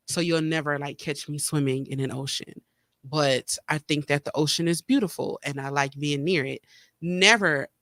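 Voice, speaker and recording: Bright, crisp-voiced man with a cold. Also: on the high side, dry recording, studio quality. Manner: chatty, rambling with many fillers. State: slightly congested, getting over a cold. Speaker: podcast host. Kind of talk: casual solo chat. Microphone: streaming mic.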